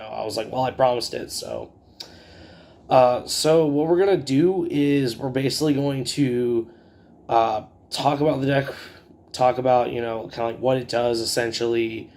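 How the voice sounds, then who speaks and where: Casual male tutorial host, gravelly and scratchy, rambling and hesitant in delivery. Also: medium pitch, a little mellow. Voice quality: scratchy, raspy. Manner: rambling, hesitant, filler-heavy. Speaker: host of a card game video channel.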